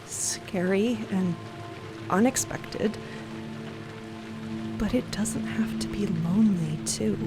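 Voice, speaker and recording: An actress playing an earnest, loyal, teasing young woman friend in an audio drama, speaking casually and with feeling. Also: medium pitch. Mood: earnest pleading. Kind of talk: dramatic audio fiction acting, conversational. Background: music and rain sounds.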